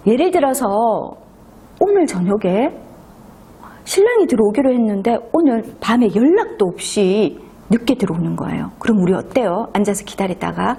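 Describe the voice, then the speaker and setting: A woman speech instructor talking casually to viewers, expressive and often asking them questions. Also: on the high side, slightly rough. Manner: expressive, asks the listener questions. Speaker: speech instructor and show host.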